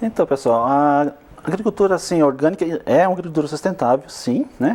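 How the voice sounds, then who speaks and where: At a fairly quick pace and with a Santa Catarina accent, the speaker uses lively intonation while keeping loudness very even. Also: man, fairly high pitch for a man. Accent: Santa Catarina (catarinense). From Santa Catarina, Brazil. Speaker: agronomy professor. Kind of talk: interview. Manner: halting, many fillers.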